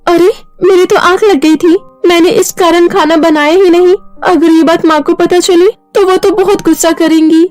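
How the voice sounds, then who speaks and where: A woman voicing a gentle, hardworking young woman in a cartoon story, earnest and soft-spoken. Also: very high voice, steady tone, normal speed, hardly any pauses, soft background music, voice pushed up. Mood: anxious pleading.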